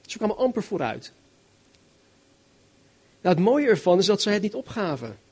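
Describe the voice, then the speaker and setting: A man preaching a sermon, reading Bible verses and explaining them in an animated, emphatic way, swinging between loud and soft. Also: sits high, normal speed, breathy edge. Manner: animated, emphatic, varies loudness widely.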